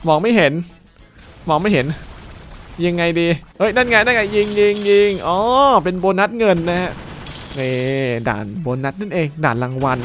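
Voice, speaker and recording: A gaming YouTuber with a high-sitting voice plays a mobile shooter and commentates playfully, often breaking into loud, excited yelling during fights.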